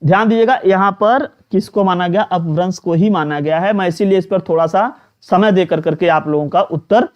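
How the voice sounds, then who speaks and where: A Hindi teacher with a high voice talks at a moderate pace with hardly any pauses, and the recording's highs are cut off. In his live online exam-prep class he goes through each question with students, repeats words, keeps asking for answers, and uses lots of fillers.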